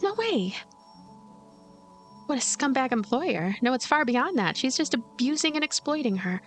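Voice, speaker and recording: A woman's voice: high voice, big pitch swings, normal speed, soft background music. A woman voicing a lonely, blunt and protective young ghost girl in a visual novel, earnest and plain-spoken. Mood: indignant.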